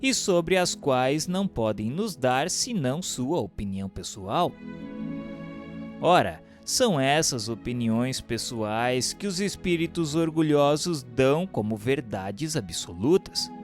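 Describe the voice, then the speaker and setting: Brazilian guy doing formal scripted narration, lively intonation, unhurried, soft music behind. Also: mid-range voice. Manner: formal, deliberate. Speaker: narrator and questioner. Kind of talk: scripted narration, expository reading.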